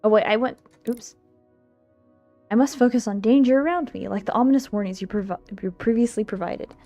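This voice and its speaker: A woman streamer reading a visual novel aloud on a livestream, expressive and giggly, stumbling over lines and making asides to chat. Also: on the high side, fairly quick. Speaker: streamer, VTuber. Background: game music.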